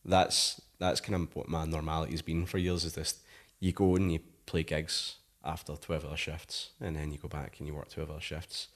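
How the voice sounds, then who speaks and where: Very deep-voiced Scottish man. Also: flat delivery, moderate pace, few pauses. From Scotland. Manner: rambling, many "like" fillers. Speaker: musician guest. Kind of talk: casual interview chat.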